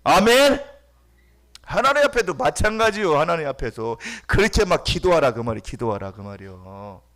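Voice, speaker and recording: A middle-aged male pastor preaching a sermon, dropping to hushed murmurs and then shouting calls at the congregation, acting out the voices he quotes. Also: a little high, big pitch swings, moderate pace. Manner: acts out quoted voices and drills the congregation with questions.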